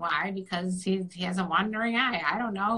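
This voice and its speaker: Noticeable background noise sits behind a woman of medium pitch who speaks with a slight Chicago accent, fairly even intonation and a moderate pace. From Chicago, US Midwest. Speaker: co-host, author. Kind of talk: casual chat.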